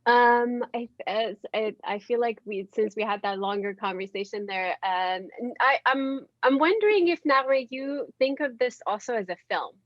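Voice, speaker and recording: A woman's voice: fairly high pitch, lively intonation, normal speed, hardly any pauses, dry recording. A woman from Iran with an Iranian accent, talking effusively and casually as a guest in a panel conversation. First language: Persian. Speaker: theater artist, panel guest. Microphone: video call. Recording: dull, lo-fi video call audio.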